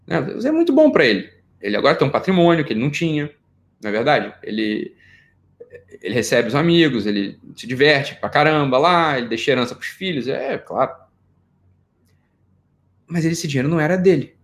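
Pitched fairly high and moving a little fast, this middle-aged Brazilian man delivers a casual psychology lecture. His Brazilian Portuguese accent carries an animated, joking style packed with rhetorical questions.

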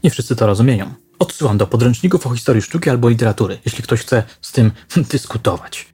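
A man voicing a stern, guarded woman headmistress, speaking briskly and coolly. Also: mid-range voice, expressive, warm tone, breathy edge. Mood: defensive.

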